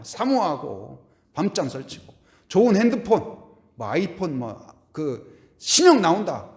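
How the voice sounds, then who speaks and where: Pastor, male, middle-aged: lively pitch, fairly high voice, keeps asking the congregation questions. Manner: animated, asks the congregation questions, hums and sings hymn lines. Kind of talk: sermon.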